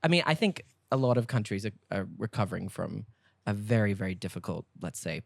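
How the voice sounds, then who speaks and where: A man's voice: lowish voice, expressive, a little fast, vocal fry, dry recording. A young man from Hong Kong, a guest comedian in casual podcast chat, self-deprecating and prone to hesitant restarts. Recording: dry close podcast mic.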